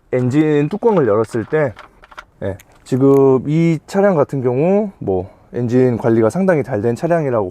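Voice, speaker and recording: A man's voice: mid-range voice, warm tone. A man, explaining things to viewers as a used car dealer in polite, formal salesman patter. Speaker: used car dealer presenting a truck-buying guide. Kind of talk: informal explainer presentation to viewers. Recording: faint background noise.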